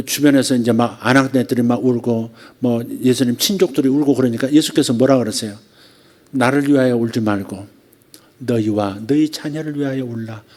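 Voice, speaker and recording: A man's voice: mid-range voice, a little mellow. A man, a pastor, preaching a sermon in a conversational way, asking rhetorical questions and acting out quoted lines. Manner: acts out quoted lines with drawn-out repetitions.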